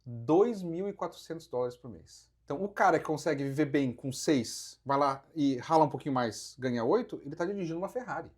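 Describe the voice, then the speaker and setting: A Brazilian man, speaking with a Brazilian Portuguese accent, appears as a podcast guest explaining real estate investing in a casual conversation. His voice is on the high side, expressive and slightly rough, and he talks briskly with hardly any pauses. He counts through figures and poses rhetorical questions as he explains.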